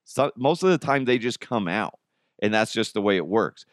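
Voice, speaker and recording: A man's voice: on the low side, lively intonation, normal speed, dry recording, studio quality. A man hosting a podcast in casual, rambling talk, his voice a little strained. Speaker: podcast and radio host.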